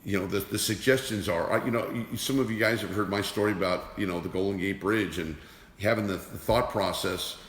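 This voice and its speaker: Brisk and a bit bright, this man's fairly low voice carries a motivational teaching talk on energy awareness. He presses his points emphatically with repeated rhetorical questions, and the roomy recording has a long reverb.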